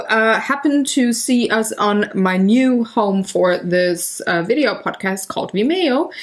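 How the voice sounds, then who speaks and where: German-accented woman, playful podcast host. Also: on the high side. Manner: playful, laughs often, self-mocking. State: coughing, using cough drops. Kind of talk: casual chat.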